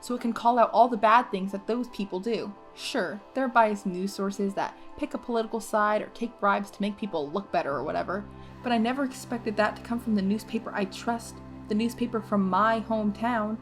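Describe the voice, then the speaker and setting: A woman's voice: mid-range voice, fairly quick, soft background music, lightly acted. A woman playing an earnest, talkative, opinionated schoolgirl who lectures emphatically in an audio drama. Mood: indignant. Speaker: podcast drama actress.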